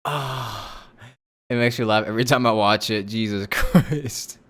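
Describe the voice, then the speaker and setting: A man's voice: fairly low pitch, measured pace, a bit bright. A man reacting casually on a live game stream, amused and swearing freely.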